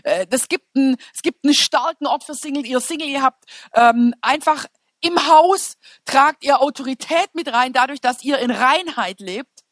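A woman preacher giving an informal, humorous sermon in an animated, colloquial storytelling manner. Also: high-pitched, moderate pace, no echo, studio quality.

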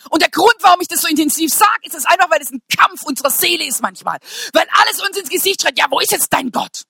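A woman. She speaks casually and with humor, moving from soft asides to shouted declarations. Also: extremely high pitch, lively intonation, fast, creaky, dry recording, clean studio sound. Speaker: preacher. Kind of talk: lively sermon to a congregation.

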